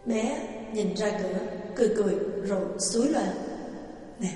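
A woman reading a story aloud as narrator, in a steady storytelling manner. Echoey hall, heard from far off, faint music behind. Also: mid-range voice, brisk.

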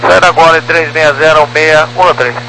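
A man's voice: a little high, steady tone, normal speed, creaky, bright, forceful tone. A Brazilian man speaking as an airline pilot over a cockpit headset radio, in exchanges that are partly casual. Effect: pilot cockpit headset radio transmission. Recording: noisy aviation radio with mains hum.

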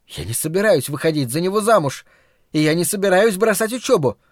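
A soft-spoken young woman, as a male narrator voices her, a college student holding her ground quietly. Her lines come gently and steadily, close and dry. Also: high voice, animated, fairly quick, no room sound, voice pushed up. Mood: quietly firm.

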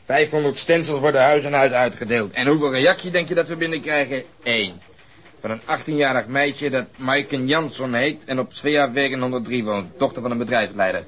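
Casting: actor for a surly male detective, middle-pitched, curt, crude and sarcastic, for radio play. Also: a little fast, a bit bright, natural voice. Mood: sarcastic, irritated. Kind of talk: radio drama acting.

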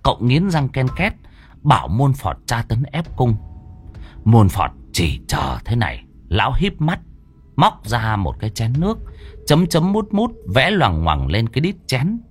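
Husky man narrating a ghost story. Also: medium pitch, a little slow, faint music behind. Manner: dramatic, expressive storytelling.

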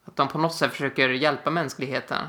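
A man's voice: mid-range voice, fairly even intonation, bright, forceful tone. A young man co-hosting a podcast from his living room, talking casually with frequent fillers and restarts. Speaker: podcast co-host. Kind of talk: casual chat.

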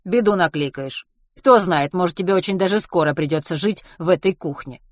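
A woman voicing a stern, coldly calm, disapproving woman who mutters and grumbles in an audiobook story. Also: fairly low pitch, brisk, no room sound, studio quality, natural voice. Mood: grumbling. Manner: muttering, cold, even delivery.

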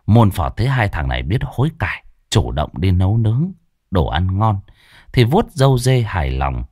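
Lively male storyteller. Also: deep voice, moderate pace, dry recording, studio quality. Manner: expressive, lively narration. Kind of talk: spooky story narration.

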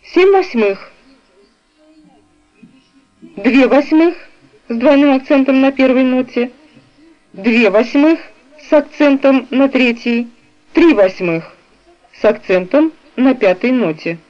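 A woman reading a music theory textbook aloud in a slow, measured way, describing the notation on the page. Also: sits high, lively intonation. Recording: dull, lo-fi recording.

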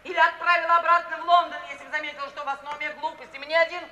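A shrewd, blunt middle-aged woman in a 1950s radio drama. Her voice is very high and sharply bright, with emphatic, scornful delivery. It sounds distant in a roomy old recording with faint hiss. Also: flat delivery, very fast. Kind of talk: 1950s Soviet radio play acting.

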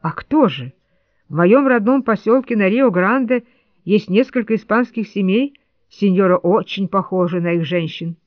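A woman's voice: medium pitch, animated, normal speed, no echo, close to an everyday voice. A woman reading as a blunt male cabbie. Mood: puzzled, insistent. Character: male taxi driver, blunt and insistent. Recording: dull lo-fi dry studio read.

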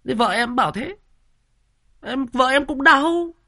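A man's voice: very high voice, animated, a little slow, pushed and bright. A man with a Northern Vietnamese accent hosting a casual livestream, chatty, with many fillers and repeated words. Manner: chatty, full of fillers and repetition. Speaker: livestream host, storyteller.

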